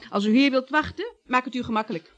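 A woman's voice: high-pitched, fast, dull audio, heavy background noise, lightly acted. An actress playing a polite, eager female office secretary in a radio play who gets flustered easily.

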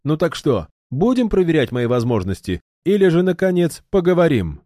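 A man's voice: fairly high pitch, big pitch swings, mellow, dry recording, clean studio sound, voice pushed up. A man voicing a hot-tempered young fighter who taunts and snaps at his foe in a raised voice. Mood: angry threatening. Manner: sarcastic, taunting, quick to anger.

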